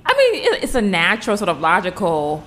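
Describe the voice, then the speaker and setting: A woman's voice: lowish voice, huge pitch swings, normal speed, fairly bright tone. A woman in her forties from Virginia, a guest telling her story in a casual interview with candid, self-deprecating humor. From Hampton, Virginia. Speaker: guest, homesteader.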